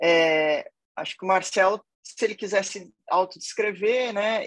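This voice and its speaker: A woman speaks at a fairly slow pace in a strong São Paulo interior accent. Her pitch is medium, with ordinary variation. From Brazil, interior of São Paulo state (São José do Rio Preto). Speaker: chef and entrepreneur. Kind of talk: panel talk.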